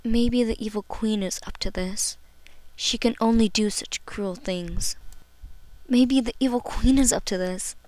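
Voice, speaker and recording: A woman's voice: on the high side, a little slow, darkish tone, no echo, lightly acted, rough recording. A woman voicing an earnest young fairy-tale heroine in an audition. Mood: subdued. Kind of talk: amateur character audition.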